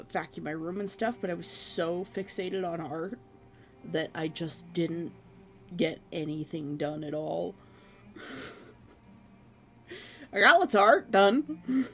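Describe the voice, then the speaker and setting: A streamer chatting casually with viewers from their room at home, rambling and laughing at themselves, with a hoarse voice that is giving out. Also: medium pitch, a bit bright. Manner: rambling, self-deprecating, laughs often. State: hoarse, losing voice.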